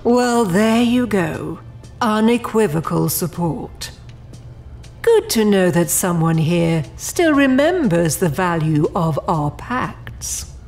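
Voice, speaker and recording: A woman's voice: on the low side, sing-song, slow, vocal fry, darkish tone, faint music behind, heavily acted. A woman playing a proud, formal, defensive overseer of an infernal project in an audio drama, with haughty, precise diction. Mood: haughty, composed.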